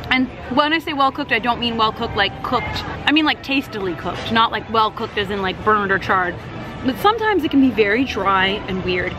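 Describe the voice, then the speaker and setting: A woman giving casual, expressive food reviews and vlog commentary outdoors in a busy theme park. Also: sits high. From raised in a Cuban household. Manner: chatty, expressive, rambling descriptions. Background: crowd chatter and music.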